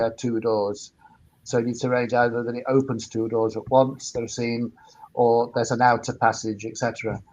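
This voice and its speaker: A man speaking as an expert webinar panellist, halting and repeating words as he explains practical technical points. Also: medium pitch, darkish tone, rough recording. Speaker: sound engineer and workspace operator, panellist.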